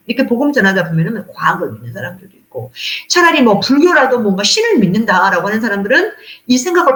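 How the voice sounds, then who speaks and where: Animated high-voiced woman preaching. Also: echoey room. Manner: animated, acts out quoted voices of people and God. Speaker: missionary preacher. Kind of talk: sermon.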